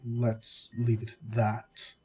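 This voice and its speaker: A man acting as a caring, exasperated centuries-old doctor in an audio roleplay, with a husky voice and measured bedside manner. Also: lowish voice, monotone, a little mellow, soft background music, heavily acted. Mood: grave, measured. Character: long-lived vampire doctor, male, caring yet exasperated. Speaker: voice actor. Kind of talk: audio roleplay drama, spoken to the listener.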